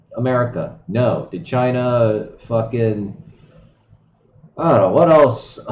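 A man speaks at a very slow pace. The room echoes audibly, and there is light background noise. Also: ordinary pitch variation. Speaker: streamer. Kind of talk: commentary. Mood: scornful, annoyed. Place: home room.

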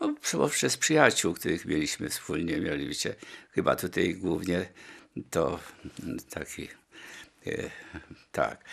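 Against a quiet background, a man speaks in a fairly low voice with very wide pitch swings. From Poland. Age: 90s. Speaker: priest and theology professor; priest, professor recalling memories. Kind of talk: interview reminiscence. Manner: halting. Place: home room.

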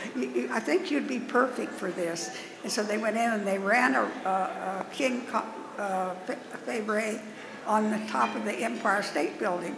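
A woman talks at a fairly slow pace, her pitch fairly high and swinging very widely. Noticeable background noise runs underneath. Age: 80s+. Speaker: former film actress and stunt double. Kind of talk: interview answer. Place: stage. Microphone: podium.

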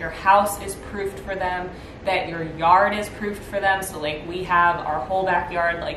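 Clearly audible background noise surrounds a woman as she talks. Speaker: dog owner vlogger. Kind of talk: casual vlog chat. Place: home room. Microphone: camera far.

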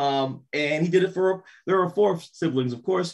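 Over a quiet background, a man with an American accent and a high pitch speaks at a moderate pace with ordinary pitch variation. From California. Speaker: music teacher and arts director moderating. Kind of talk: moderated panel discussion. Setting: video call. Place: home room.

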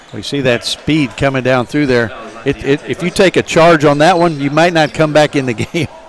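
A man speaks at a moderate pace with a fairly high pitch and ordinary pitch variation. The sound is dry with no echo, with light background noise. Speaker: color analyst. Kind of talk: live sports commentary. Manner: conversational, explanatory. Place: booth.

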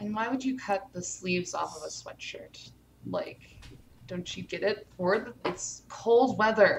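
Noticeable background noise sits behind a woman whose loudness swings widely. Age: 20s. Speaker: model and adult performer. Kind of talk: casual chat.

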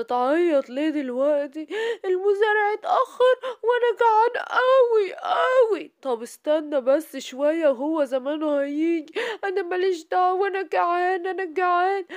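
This cartoonish character voice sits at an extremely high pitch and sounds whiny, moving at a fairly slow pace. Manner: whiny, impatient.

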